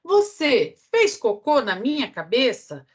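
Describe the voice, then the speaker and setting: A woman voicing a small, near-sighted young female mole who keeps asking in a high, insistent voice, reading a storybook aloud. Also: wildly swooping pitch, slow pace, slightly rough, full character voice. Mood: indignant. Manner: high, insistent repeated questioning.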